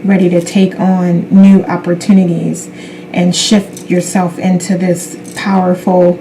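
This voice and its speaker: A woman speaking as a spiritual self-help influencer, giving an unscripted card reading in a gentle, affirming way with unhurried pauses. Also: on the low side, slight background noise, low-quality recording. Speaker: tarot card reader.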